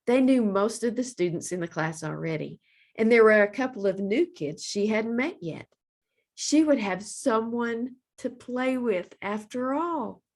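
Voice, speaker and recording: A woman reading aloud for young children as a librarian, with deliberate, expressive phrasing. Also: a little high.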